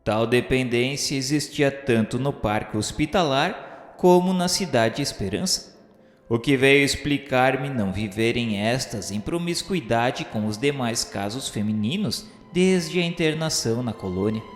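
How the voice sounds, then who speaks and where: With music playing behind him, a man narrates a radio novel in formal, literary phrasing. His mid-pitched voice is solemn and declamatory, carried by a long hall reverb. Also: animated, unhurried.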